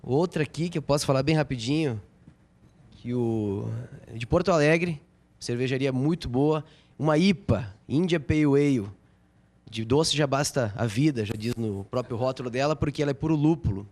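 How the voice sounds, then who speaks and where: A man's voice: mid-range voice, normal speed, a little mellow. A man, chatting casually as a studio guest and joking lightly. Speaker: studio guest, beer enthusiast. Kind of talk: casual chat.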